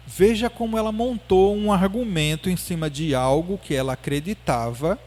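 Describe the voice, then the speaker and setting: A man gives a public lecture at a spiritist center, telling a story with animated emphasis and frequent check-ins with his listeners. His voice sits a little high for a man.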